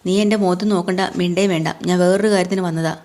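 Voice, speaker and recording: A woman's voice: lowish voice, steady tone, rapid-fire, mellow, close to an everyday voice. A woman voicing a stern middle-aged uncle who scolds and lectures his niece, reproachful in tone.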